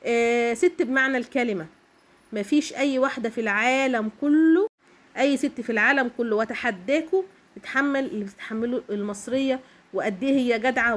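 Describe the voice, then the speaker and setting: An Egyptian woman vlogger with a cold, talking straight to her viewers in an emphatic casual monologue and often pausing to check in with them. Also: a little high. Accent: Egyptian Arabic. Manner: emphatic, keeps checking in with "okay?". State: has a cold, coughing. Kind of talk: casual direct-to-camera monologue.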